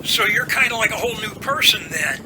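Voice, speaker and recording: A man's voice: high voice, animated, a little fast, background noise. A man in an amateur audio drama playing a frank, inquisitive helicopter rescue pilot in a conversational manner. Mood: curious.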